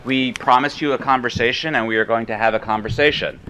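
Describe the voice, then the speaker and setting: Man, panel moderator, halting, bright forceful tone. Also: medium pitch, slight background noise, low-quality recording. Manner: halting, restarts and fillers.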